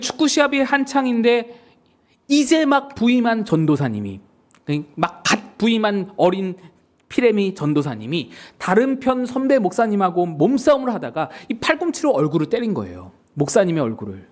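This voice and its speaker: A male pastor delivers a sermon in a high voice that swoops up and down with great liveliness. He tells his stories vividly, acting out the voices of the people in them. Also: moderate pace. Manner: animated storytelling with acted quotes.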